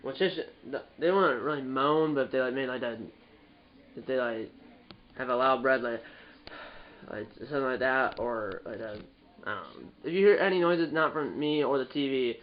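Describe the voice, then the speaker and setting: A man's voice: mid-range voice, moderate pace. Young male gaming host, nasal from a cold, chatty and meandering, muffled home recording. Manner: rambling, restarts and fillers, self-correcting. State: stuffed up, nasal. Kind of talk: casual gameplay commentary.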